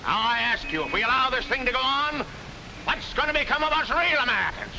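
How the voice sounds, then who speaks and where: A fiery soapbox demagogue. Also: male voice, extremely high pitch, lively intonation, fairly quick, creaky, pushed and bright, heavily acted, rough recording. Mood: ranting. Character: ranting bigoted male street-corner demagogue. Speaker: soapbox speaker addressing a crowd. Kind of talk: 1940s film acting. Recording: hissy 1940s film soundtrack.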